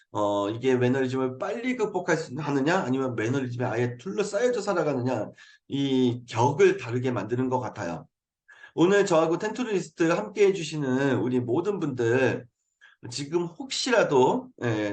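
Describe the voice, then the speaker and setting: A man giving an earnest motivational talk to a video-call group, coaxing listeners and often saying a quick affirming "yes" between points. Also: fairly high pitch. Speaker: motivational speaker hosting a habit program. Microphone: video call mic.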